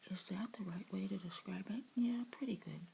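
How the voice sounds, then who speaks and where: A woman reading news articles aloud in a soft ASMR whisper, adding her own asides. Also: medium pitch, moderate pace, creaky, a little hiss or hum.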